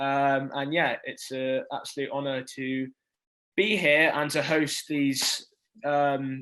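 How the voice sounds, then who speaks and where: Against a quiet background, a man with a Welsh accent speaks at a fairly high pitch in a bright, sharp tone. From Wales. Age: 20s. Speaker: event co-host. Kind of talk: casual event hosting. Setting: video call.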